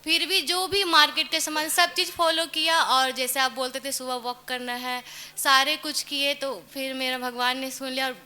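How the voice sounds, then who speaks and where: A woman's voice: sits high, little pitch movement, moderate pace, pushed and bright. A woman giving a personal testimony, earnestly and devoutly recounting the vows she made.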